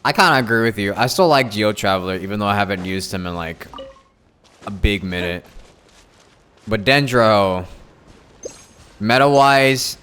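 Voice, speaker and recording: A man's voice: on the low side, animated, moderate pace, pauses often, fairly bright tone, a little hiss or hum. A man doing casual live gaming commentary and chatting with viewers in a blunt, sweary, slangy way. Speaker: game streamer. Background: game music.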